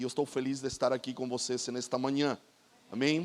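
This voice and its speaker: A man speaks at a fairly quick pace with medium pitch. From Chile. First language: Spanish (speaking Portuguese). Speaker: pastor. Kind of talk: sermon.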